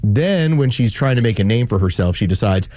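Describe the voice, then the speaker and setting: A male talk radio host with a lowish, mellow voice, recorded close and dry. He delivers political commentary emphatically and sarcastically, often slipping into mock quotations. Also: animated, brisk, no echo, faint music behind. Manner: emphatic, sarcastic, mimics opponents in mock quotes.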